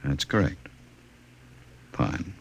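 An actor playing a smooth, scheming government official in a 1950s science fiction radio drama, courteous and authoritative. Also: male voice, drawn-out words, highs cut off, heavy background noise. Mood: brisk, commanding. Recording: old 1950 radio broadcast.

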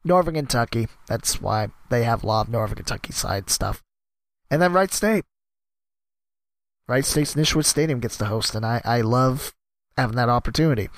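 With a medium-pitched voice, lively intonation, and normal speed, a man who hosts a podcast and announces sports rambles solo, making self-deprecating jokes and jumping between topics. A cough has left his voice worn. No room sound is audible.

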